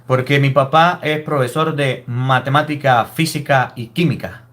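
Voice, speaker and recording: A man's voice: medium pitch, fairly even intonation, moderate pace, fairly bright tone. A man preaching a Catholic sermon, emphatic and scolding, full of rhetorical questions. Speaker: Catholic priest.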